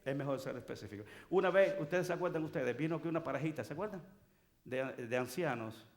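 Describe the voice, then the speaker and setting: Male pastor, lively sermon delivery, slightly high pitch. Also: fast talker. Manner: animated storytelling preacher, acts out dialogue. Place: church sanctuary.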